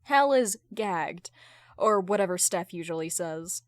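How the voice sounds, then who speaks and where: A woman's voice: on the low side, lively intonation, measured pace, dry recording, studio quality. A woman reading scripted fiction as an audiobook-style narrator, with wry asides. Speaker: podfic narrator.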